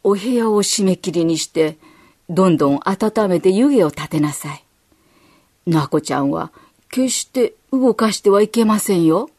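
A woman voicing a calm male doctor giving firm instructions in a storybook reading. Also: medium pitch, normal speed, no echo, clean studio sound, close to an everyday voice.

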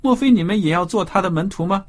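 A man with a husky voice reads the words of a bold, defiant healed blind man from a scripture passage. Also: high-pitched, fast, voice pushed up. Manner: read aloud with rising emphasis.

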